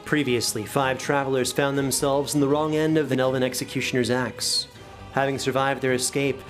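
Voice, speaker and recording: A man narrates as game master and host of a story podcast. His delivery is scripted and dramatic, in a medium-pitched voice, with music quietly playing underneath.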